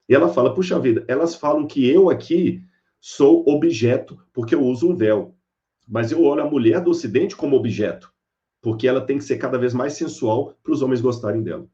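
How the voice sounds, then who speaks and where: This man speaks at a medium pitch as he gives a Bible lecture in sermon form, playing the people in his stories like an animated storyteller. He is a preacher, and the audio comes across as dull.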